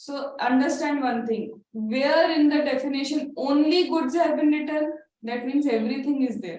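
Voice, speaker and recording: In a room with audible echo, a woman with an Indian accent speaks at a moderate pace and high pitch, with ordinary pitch variation. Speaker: accountancy exam teacher. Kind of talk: live online lecture. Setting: live online class.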